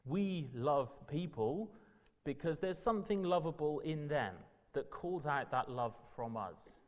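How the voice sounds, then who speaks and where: A man from Wales, teaching a Bible session in an earnest, emphatic way that builds in bursts. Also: medium pitch. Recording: reverberant hall.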